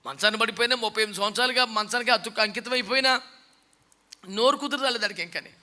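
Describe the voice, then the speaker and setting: Male pastor, fiery sermon delivery, high pitched, piercing edge, scolds and mocks, mimics others. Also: rapid-fire, bright, forceful tone. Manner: scolding, mocking, fiery preaching with rhetorical questions; mimics people he quotes.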